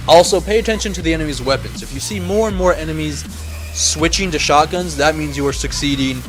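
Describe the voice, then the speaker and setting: A man's voice: fairly high pitch, brisk. A man giving casual, sweary gameplay commentary in a blunt, aggrieved ranting manner. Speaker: gaming commentator. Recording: voice-over with music behind.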